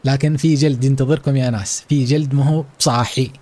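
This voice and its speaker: A man's voice: mid-range voice, steady tone, quick pace, dark tone. A man with a Saudi Arabic accent hosting a live esports watch-along stream, hyping it up and chatting playfully with his viewers.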